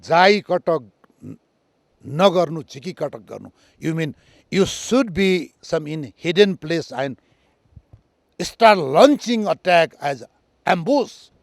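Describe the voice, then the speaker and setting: A man from Nepal with a Nepali accent gives a history lecture in halting, non-native English, proud and emphatic. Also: fairly high pitch, expressive, no room sound, clean studio sound. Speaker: speaker on military history. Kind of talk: lecture on history, addressed to listeners.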